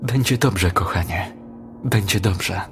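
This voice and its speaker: A panicked mother soothing her child with a trembling voice, as a man reading the story puts her on. The voice stays low and quietly shaky, with soft music behind the audiobook reading. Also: slow pace. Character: panicked young mother protecting her daughter. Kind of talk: audiobook character voice.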